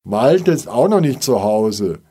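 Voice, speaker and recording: A man voicing a grumpy father in a storybook reading, talking gruffly and dismissively. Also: medium pitch, sing-song, takes it slowly, warm tone, heavily acted. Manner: grumbling, gruff.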